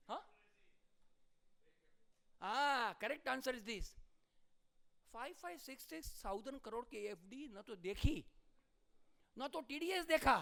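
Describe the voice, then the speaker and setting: A middle-aged man giving a lively seminar talk in Hindi mixed with English, prodding the audience for answers. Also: very high voice, vocal fry. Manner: animated, prods the audience for answers. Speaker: lecturer.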